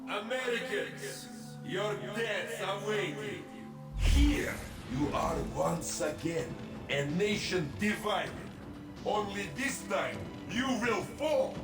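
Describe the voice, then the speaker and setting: A grandiose armored villain with a Russian accent. He taunts slowly in a raised, pompous voice. It echoes, with loud music behind. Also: sits high, lively intonation, distant mic, full character voice. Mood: grandiose menace. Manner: slow, pompous, threatening. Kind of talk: video game villain acting.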